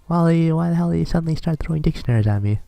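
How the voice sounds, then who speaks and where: A man's voice: a little high, lively intonation, rapid-fire, gravelly, no echo, soft background music, voice pushed up. A man voicing an angry, hot-tempered teenage schoolgirl scolding someone. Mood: furious. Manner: shouting, scolding.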